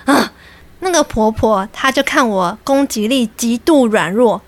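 A young adult woman tells a story on her podcast in an animated, exasperated way. Her voice is high. The recording is dry and close. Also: moderate pace, no echo. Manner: animated, exasperated, quotes people. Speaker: podcast host. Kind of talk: casual storytelling.

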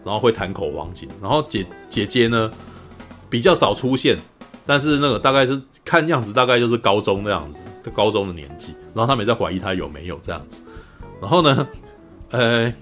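A man's voice: lowish voice, lively intonation, brisk, fairly bright tone, soft background music. A man hosting a podcast, retelling a drama's plot in casual chat with many fillers, acting out quoted lines in a raised voice. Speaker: podcast host.

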